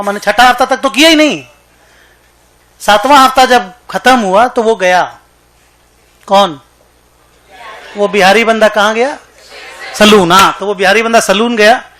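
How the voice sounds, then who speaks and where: A man's voice: high voice, pushed and bright, a little hiss or hum. A male accountancy teacher lecturing a class, dictating notes and telling a chatty joke.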